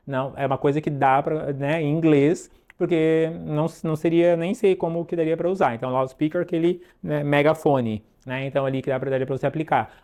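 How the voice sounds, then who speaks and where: A man from Brazil talks through an English lesson in a loose, rambling manner. His voice sits a little high but sounds mellow and relaxed. He fills his talk with asides and fillers. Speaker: English teacher. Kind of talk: casual online lesson.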